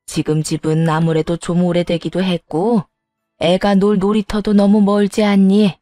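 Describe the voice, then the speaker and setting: A woman's voice: medium pitch, little pitch movement, normal speed, mellow, no echo, clean studio sound, soft background music, lightly acted. A woman voicing an older mother-in-law who speaks in a firm, scolding, old-fashioned way. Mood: coaxing.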